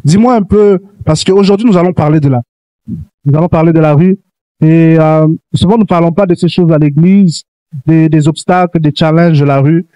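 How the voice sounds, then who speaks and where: A man's voice: a little high, moderate pace, warm tone, no room sound. A man hosting a Christian youth talk show, speaking earnestly and exhorting young listeners, with many restarts. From grew up in Canada. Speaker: host.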